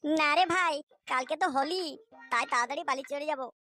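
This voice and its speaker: An actor plays a wary, easily tempted young boy in a comedy cartoon. The sidekick's voice is very high and quick, over clearly audible background music. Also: close to an everyday voice. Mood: wary, reluctant. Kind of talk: comic cartoon dialogue.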